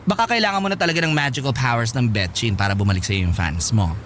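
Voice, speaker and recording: An actor playing a sassy, reluctant gay best friend in a Tagalog radio drama, complaining in a campy, exaggerated way. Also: male voice, medium pitch, expressive, fast, fairly bright tone, slight background noise, lightly acted. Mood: whiny, reluctant.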